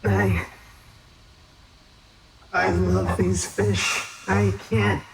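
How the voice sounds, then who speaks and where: A woman's voice: lowish voice, very animated, extremely slow, vocal fry, a little hiss or hum, heavily acted, low-quality recording. A woman voicing an entranced, unhinged woman gripped by strange cravings in a tabletop game. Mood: crazed craving. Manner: crazed, unhinged voice.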